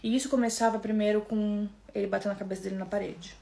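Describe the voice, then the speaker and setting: A woman from Brazil with a Brazilian Portuguese accent tells her own story to camera. She speaks softly and haltingly, often restarting and turning to her listeners. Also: medium pitch, flat delivery, vocal fry.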